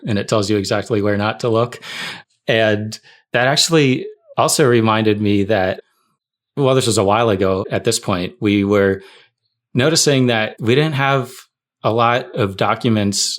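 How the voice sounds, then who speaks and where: A man co-hosting a podcast, explaining things in a casual, conversational way. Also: fairly low pitch. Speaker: podcast co-host.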